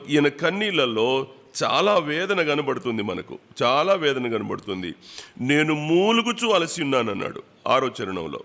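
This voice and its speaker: Male preacher, raised voice, repeats lines, fills pauses while he thinks. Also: a little high, a bit bright. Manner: repeats phrases, pauses with drawn-out fillers. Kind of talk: Bible sermon. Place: prayer hall.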